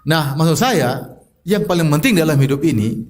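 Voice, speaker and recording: Middle-aged man, high voice, preacher; sermon full of rhetorical questions and Arabic recitation. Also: lively intonation, normal speed. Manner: asks the listeners rhetorical questions; weaves Arabic scripture recitation into speech.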